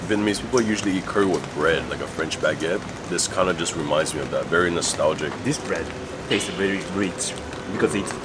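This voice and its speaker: Loud background noise fills the clip. A man talks at a very fast pace with ordinary pitch variation. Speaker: food vlogger. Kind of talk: casual food tasting commentary. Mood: enthusiastic, pleased. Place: street. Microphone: phone near.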